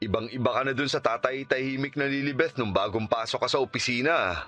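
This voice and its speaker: A man's voice: mid-range voice, fast, a bit bright, faint music behind, natural voice. An actor playing an arrogant, menacing rich male boss in a radio drama, contemptuous and bullying. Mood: mocking, threatening. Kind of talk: Tagalog radio drama acting.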